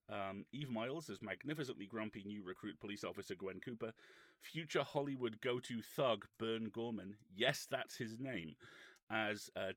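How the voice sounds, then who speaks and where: A man's voice: fairly low pitch, fairly bright tone, no room sound. A British man co-hosting a podcast, telling casual anecdotes in a profane, wry storytelling manner. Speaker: podcast co-host.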